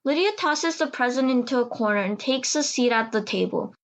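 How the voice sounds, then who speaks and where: Higher-voiced woman narrating an audio drama. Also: expressive, brisk.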